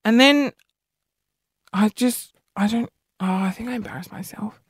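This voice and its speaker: A man with a high-pitched voice hosting a podcast, telling a story in an animated, self-deprecating way. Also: moderate pace, slightly rough, no echo, clean studio sound. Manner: animated, self-deprecating, jumps between high and low tones. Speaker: podcast host. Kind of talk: casual storytelling monologue.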